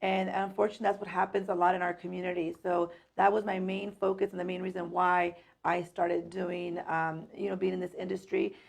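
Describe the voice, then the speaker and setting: A woman's voice: on the low side, little pitch movement, a little fast, creaky, few pauses. A woman from San Jose, California, a mortgage loan officer co-hosting a casual podcast, speaking in a friendly, earnest way. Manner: friendly, earnest, uses "um" often.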